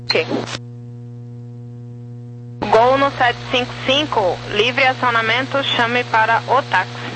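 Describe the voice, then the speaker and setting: A woman air traffic controller giving procedural clearances over aviation radio. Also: on the high side, takes it slowly, pauses often. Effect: aviation radio transmission. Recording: noisy, humming aviation radio.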